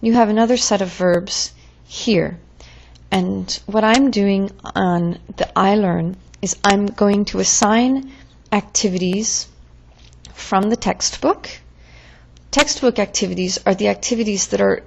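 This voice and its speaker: A woman's voice: medium pitch, a little slow, creaky, highs cut off. A woman teaching French verb conjugations in a patient, drilling way, as in a recorded lesson.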